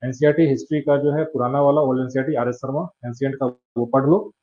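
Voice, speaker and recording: A man lectures in a coaching class in a casual, talkative way and keeps asking students whether they follow. His voice sits at an ordinary middle pitch. The recording sounds a little muffled and lo-fi. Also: fairly even intonation, fast, dark tone. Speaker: exam coaching teacher.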